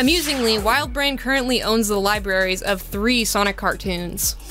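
Music plays behind a woman with fairly high pitch. She talks at a moderate pace with ordinary pitch variation. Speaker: voiceover narrator. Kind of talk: news update narration.

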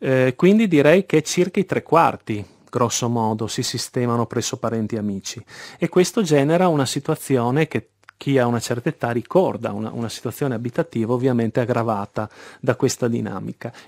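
In a plain, everyday voice, a man talks fairly quickly at a medium pitch with ordinary pitch variation, the sound dry and close with no echo. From Muggia, near Trieste, Italy. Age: 40s. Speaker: historian. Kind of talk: radio interview. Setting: studio.

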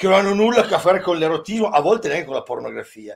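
The background is quiet. A man is speaking. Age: 40s. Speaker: philosophy teacher and online video host; philosophy teacher, online video host. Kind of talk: live-stream chat with guest. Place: home room.

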